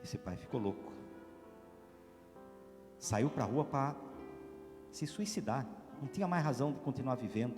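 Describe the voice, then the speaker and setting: A priest delivers a sermon in a dramatic storytelling way, rising loud and sinking to a hush. His voice rings with long church reverb. A soft guitar plays behind him. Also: mid-range voice, expressive, normal speed, long pauses. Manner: dramatic, swinging from loud preaching to hushed storytelling.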